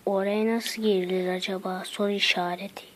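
A woman's voice: mid-range voice, little pitch movement, fairly quick. A woman giving let's play commentary as she explores a game map, exclaiming, muttering to herself and using slang. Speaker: gaming channel host.

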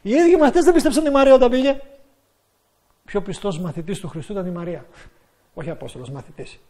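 A man preaches a sermon. His voice sits high for a man. He talks with great emphasis, often climbing to loud, fervent exclamations.

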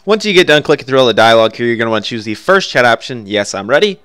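A man talks through a game walkthrough step by step. His voice is clear and mid-pitched, and his manner is informal and conversational. Faint music plays behind him. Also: big pitch swings, rapid-fire, fairly bright tone. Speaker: video game guide creator.

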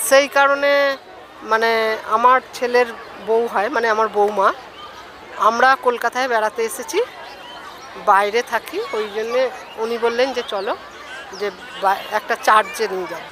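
A middle-aged Bengali woman speaking plainly into a reporter's mic, her pitch slightly raised. Loud crowd and street noise surround her outdoors. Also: fairly even intonation. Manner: plain, halting. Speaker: interviewee, visitor. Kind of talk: casual street interview answer. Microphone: reporter's handheld mic.

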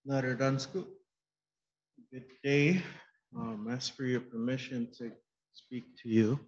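A man's voice: medium pitch, fairly even intonation, slow pace. A man on a conference panel who opens his remarks formally and courteously, with some hesitant fillers. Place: conference room with panel table. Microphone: table mic on stand. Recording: dull lo-fi conference audio.

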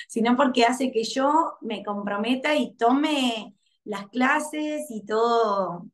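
A woman, a mother speaking from her living room on a video call, reflective and soft, with many fillers and restarts. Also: mid-range voice. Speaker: workshop participant, mother. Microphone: video call, laptop mic.

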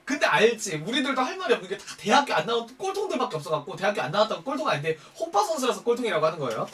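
A man's voice: high-pitched, pushed and bright, far from the mic, slight background noise. Campy, profane young man telling stories. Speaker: storyteller. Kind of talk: casual comic storytelling.

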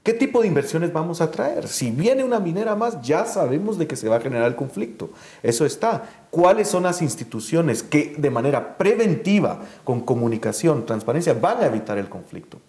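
A man's voice: a little high, very animated, a little fast, darkish tone, reverberant. A man, a guest on a panel debate, who lays out an analytical argument.

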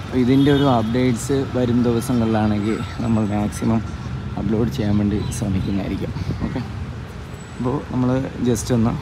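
A man's voice: on the low side, steady tone, brisk. Upbeat man touring on foot. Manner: enthusiastic, repeats stock praise words. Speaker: vlogger. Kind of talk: walking tour vlog. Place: outdoors and inside an empty building, walking. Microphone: phone camera held while walking. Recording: phone recording with clear street noise.

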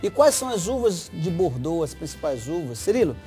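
A man's voice: a little high, sing-song, brisk, warm tone, soft background music. A middle-aged man explaining wines as a guest sommelier on a TV studio set, emphatic and salesy, on a lapel mic. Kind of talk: TV wine talk and promotion.

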